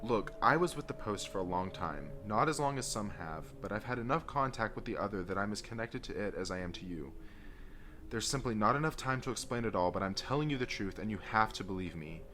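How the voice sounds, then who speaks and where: Deep-voiced, earnest, haunted man played by an actor. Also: animated, brisk, background noise, natural voice. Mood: earnest warning. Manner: earnest, pleading. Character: weary, secretive man changed by an otherworldly force, loving and urgent. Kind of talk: audio drama dialogue.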